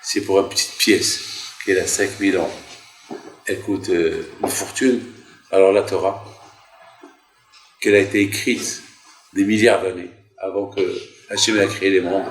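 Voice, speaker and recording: A man's voice: low-pitched, moderate pace, pauses often. A man in his sixties, a rabbi telling a story in a sermon, repeating phrases for emphasis in a yeshiva hall. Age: 60s. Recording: roomy echoing hall.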